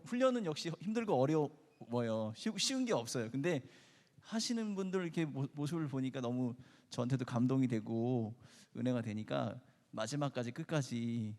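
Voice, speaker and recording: A man's voice: medium pitch, a little mellow. A man politely addressing a congregation with announcements and encouragement, as a church training leader. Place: church hall. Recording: long echoing hall reverb.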